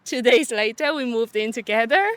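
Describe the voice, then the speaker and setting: A woman's voice: fairly high pitch, fairly quick, no echo. A woman from Hong Kong, cheerful and giggly as she tells her story in a casual interview.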